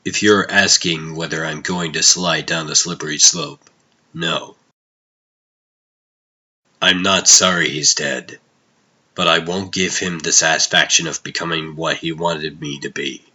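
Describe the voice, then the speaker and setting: Guy doing dark brooding superhero, really deep n slow, grave haunted delivery, comic dub style. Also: steady tone, lo-fi sound, full character voice. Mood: grim. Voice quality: low, tense. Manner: grave, deliberate. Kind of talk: dramatic comic dub acting.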